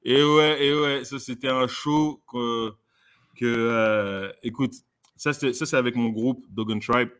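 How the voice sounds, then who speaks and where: A man's voice: medium pitch, steady tone, takes it slowly, fairly bright tone, smooth. Man, comedian guest, casual chat, hesitant, fillers, restarts. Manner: hesitant, many fillers and restarts, laughs often. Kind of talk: casual conversation.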